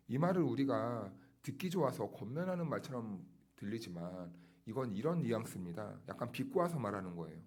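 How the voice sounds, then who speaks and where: A man's voice: mid-range voice, a little mellow, husky. A male pastor giving an early-morning sermon, explaining scripture in a conversational way and asking pointed rhetorical questions. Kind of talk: dawn service sermon.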